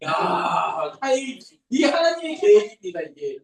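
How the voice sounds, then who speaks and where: Animated young Korean man preaching to toddlers. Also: high voice, measured pace. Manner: animated, sing-song storytelling to toddlers. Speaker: pastor. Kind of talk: children's sermon. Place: church room. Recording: echoey room, voice from a distance.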